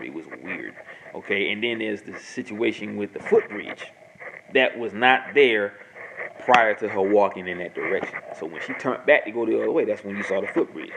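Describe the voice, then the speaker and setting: A man talking casually and rambling in a monologue, restarting sentences and filling pauses. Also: on the low side, vocal fry. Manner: rambling, repeats himself, many fillers. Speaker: host answering viewer questions. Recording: noisy home recording.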